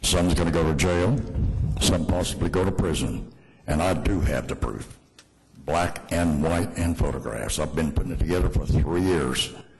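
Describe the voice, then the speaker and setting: A man's very deep, low voice with an American accent, lively intonation, very even loudness, long and frequent pauses, and audible room echo. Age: 70s. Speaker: citizen speaker at public comment. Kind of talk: public comment at city council meeting.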